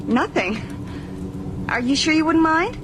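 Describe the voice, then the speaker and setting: A woman's voice: high voice, animated, a little slow. An actress playing a nervous but wry young woman lost in the snow in a radio horror drama, stammering and hesitant. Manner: stammering, hesitant, breathy exclamations. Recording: very noisy old radio drama recording.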